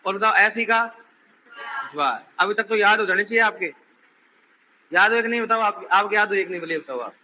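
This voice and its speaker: A male teacher in a classroom, drilling his students with questions and teasing them when they falter. His voice sits high and cuts through sharply. Faint room noise runs under the recording. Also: a little fast. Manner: says he is shouting while teaching. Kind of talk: classroom lecture.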